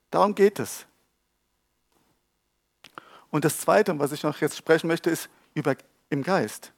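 A man delivers a sermon in a casual, animated way, teasing his audience and firing rhetorical questions at them. His voice sits a little on the high side. The sound is close and dry, with almost no room echo. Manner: lively, conversational preaching with humor and rhetorical questions. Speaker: preacher. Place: church hall with a live audience.

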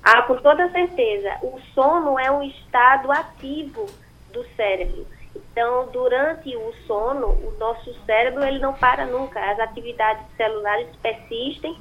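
Phone-in expert, woman over a landline phone, high voice, muffled line, explanatory with fillers. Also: normal speed. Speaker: neurologist guest on phone. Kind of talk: radio interview answers.

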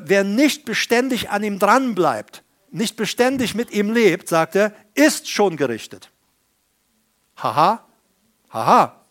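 A middle-aged man preaching in an emphatic sermon style. His voice sits high for a man, and he stops to explain words from the Greek. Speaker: pastor.

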